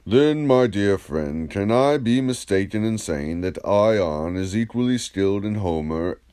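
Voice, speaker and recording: A man's voice: on the low side, lively intonation, measured pace, warm tone, smooth. A man reading a philosophical dialogue aloud expressively, in a literary audiobook style. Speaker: audiobook reader.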